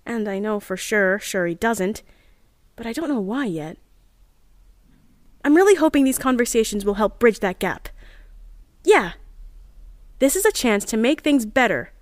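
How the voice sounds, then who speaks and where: A bubbly young scientist records an audio drama diary in a fairly high voice, close and dry. She is earnest and chatty, an eager optimist with a nervous streak. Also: no echo. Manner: chatty, earnest, halting asides.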